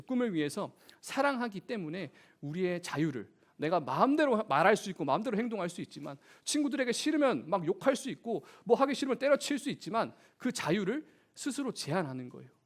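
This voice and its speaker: Animated high-voiced male youth preacher. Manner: animated preaching with questions to the congregation. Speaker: youth pastor. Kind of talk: sermon. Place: church.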